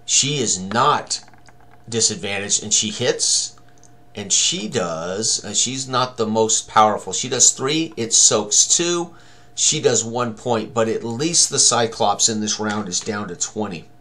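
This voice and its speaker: A man in his sixties with a fairly low voice presents a tabletop game walk-through. He speaks casually and thinks out loud, half to himself, with mild exclamations. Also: takes it slowly. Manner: talks to himself, exclaims mildly.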